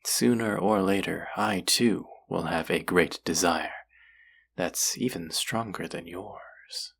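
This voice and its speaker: A man playing a courtly, possessive demon in a roleplay audio drama, speaking formally and deliberately in a husky, gravelly voice. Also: sits low, a bit bright, exaggerated voice. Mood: hungry, seductive. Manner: formal, slow, deliberate, coaxing. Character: possessive, courtly male demon who hungers for hearts. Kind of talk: scripted roleplay audio drama addressed to the listener.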